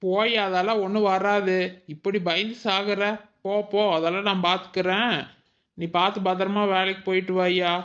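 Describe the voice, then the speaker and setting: A man playing a teasing, sharp-tongued young village wife in a cartoon. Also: high-pitched, little pitch movement, normal speed, lo-fi sound. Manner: teasing, cheeky. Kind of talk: cartoon voice acting.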